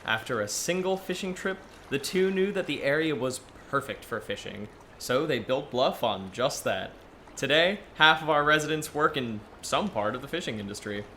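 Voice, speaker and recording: Casting: friendly young male Yeti tour guide played by a man, bright, lively, chatty, light noise behind. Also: medium pitch, moderate pace. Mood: proud, informative. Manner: chatty, earnest, enthusiastic explainer. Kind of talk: audio drama dialogue.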